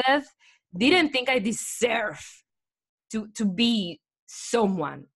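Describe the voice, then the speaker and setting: A woman speaks in a Colombian accent with ordinary pitch variation. Her tone is animated and enthusiastic. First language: Spanish. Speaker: podcast host and teacher. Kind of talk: interview conversation, storytelling. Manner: animated, enthusiastic.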